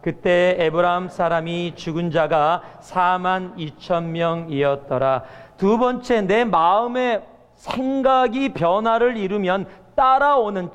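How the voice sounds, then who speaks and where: A man's voice: high-pitched, clear, resonant tone, highs cut off. A male pastor giving a sermon and telling stories with acted-out quotes. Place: church sanctuary. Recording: church hall reverb.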